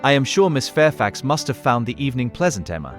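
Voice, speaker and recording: An actor playing a frank, approving gentleman with a courteous, formal manner in a period audiobook. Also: medium pitch, sing-song, fast talker, faint music behind, natural voice. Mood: pleased, approving. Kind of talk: period novel audiobook acting.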